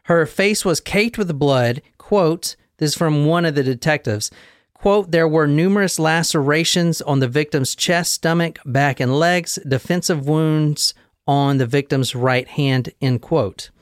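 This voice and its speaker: Guy in his 30s, podcast host running thru a true crime case, smooth clean voice, jokes around a lot, dry close mic. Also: a little high, unhurried, no room sound. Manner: jokey, rambling storyteller with self-deprecating asides. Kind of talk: casual chat.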